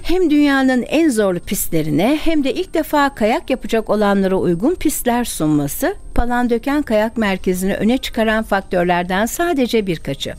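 A woman's voice: a little high, expressive, normal speed, few pauses, over music. A woman reading scripted narration for a news feature.

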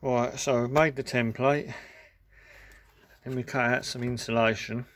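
A man's voice: medium pitch, fairly even intonation, measured pace, a little hiss or hum. A man casually talking through a van conversion job while he works in his garage workshop, sometimes drifting away from the camera mic. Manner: chatty, offhand, talks while working. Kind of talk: casual DIY commentary. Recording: background music, voice sometimes off-mic.

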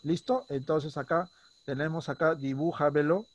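A man teaching a primary school class online. He is patient, checks in constantly with short questions, and slows down to stress words when he explains. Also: a little high, fairly even intonation, highs cut off. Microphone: computer mic on a video call.

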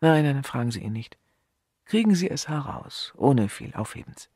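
A man's voice: medium pitch, sing-song, moderate pace, darkish tone, husky, no room sound, studio quality. A man voicing a shrewd older chief inspector who plays the genial country type and answers evasively. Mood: thoughtful.

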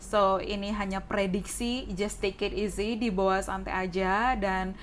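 A young woman with a hoarse voice giving a casual tarot reading, chatty and often saying "oke". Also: medium pitch, steady tone, unhurried, a little hiss or hum. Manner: chatty, mixes English phrases, says "oke" often. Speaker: tarot reader. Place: indoors at a wooden table.

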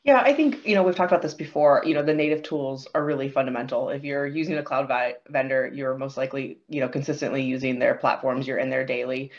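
A woman's voice: rumbling low, quick pace, few pauses, dull audio. A woman speaking as a panelist over a video call, upbeat and agreeable, with frequent "you know" fillers. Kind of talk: webinar panel discussion.

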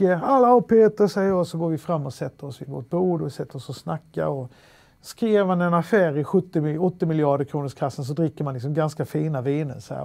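A slightly high, creaky male voice belongs to a middle-aged Swedish man with a Halland dialect. Interviewed, he tells a lively anecdote, restarting often and leaning on fillers.

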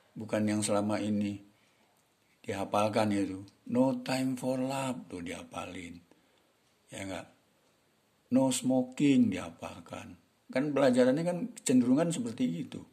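A man's voice: on the low side, dark tone. A middle-aged man teaching an English lesson in a casual, chatty way, often apologizing politely and using fillers. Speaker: English tutor.

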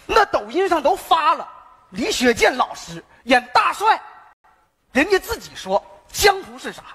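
An actor playing a drunken, self-pitying big brother in a stage comedy sketch, slurred and repetitive with overwrought declaiming. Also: male voice, extremely high pitch, sing-song, measured pace, pushed and bright, heavily acted. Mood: blustering, solemn. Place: large indoor TV stage. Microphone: headset. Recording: noisy theatre stage with studio audience.

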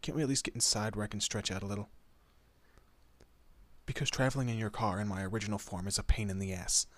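A man's voice: on the low side, fairly even intonation, fast talker, a bit bright, no echo, lightly acted. A man playing a teasing, protective monster detective in a horror roleplay audio, talking casually to his human partner. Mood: teasing, bickering. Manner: casual, teasing, muttered asides. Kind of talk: horror roleplay audio drama, addressing the listener.

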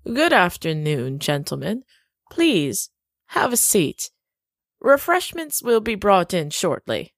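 An actress playing a gracious, slightly secretive woman host in an audio drama, speaking slowly and courteously. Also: medium pitch, very animated, dry recording, clean studio sound.

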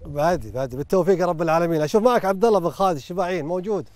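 A man with a Qatari accent hosting a live program, greeting teams in the field with quick friendly questions. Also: high voice, darkish tone. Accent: Qatari Arabic. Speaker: studio host. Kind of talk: live broadcast check-ins by radio link.

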